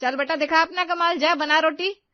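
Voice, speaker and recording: A woman's voice: very high-pitched, steady tone, normal speed, no echo, highs cut off. A woman voicing a strict, bossy middle-aged mother-in-law in a cartoon story. She scolds and gives orders. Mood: scolding. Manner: scolding, commanding. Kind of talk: Hindi cartoon story voice acting.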